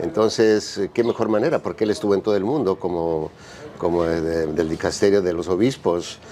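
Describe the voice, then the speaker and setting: With noticeable background noise behind it, the voice keeps a fairly quick pace and ordinary pitch variation. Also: man. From Peru. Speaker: priest. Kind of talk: interview.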